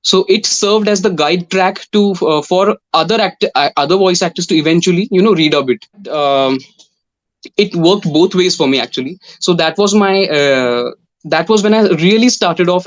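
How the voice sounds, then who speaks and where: A young man with an Indian English accent, a voice and dubbing artist answering interview questions in a thoughtful, measured way with frequent pauses. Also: fairly high pitch, highs cut off.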